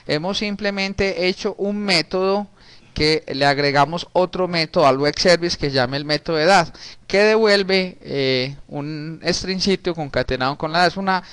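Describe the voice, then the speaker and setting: A man, teaching a programming class in a relaxed way while working on screen. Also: high voice, normal speed, smooth, no echo. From Colombia. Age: 30s. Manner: casual, talks while typing, frequent restarts and diminutives. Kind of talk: recorded screen-share coding lesson.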